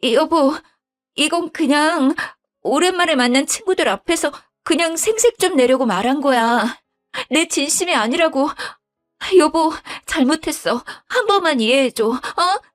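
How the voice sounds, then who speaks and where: Picture a deceitful young daughter-in-law, voiced by a woman storyteller, begging her husband and in-laws in a high, whiny, stammering voice. She pleads on and on, and faint music runs under the storybook drama. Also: animated, unhurried. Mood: tearful pleading. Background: faint background music.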